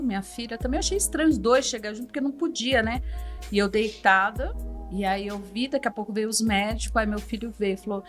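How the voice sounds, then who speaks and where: A middle-aged woman, giving an emotional religious testimony as a podcast guest, often soft and hushed. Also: a little high.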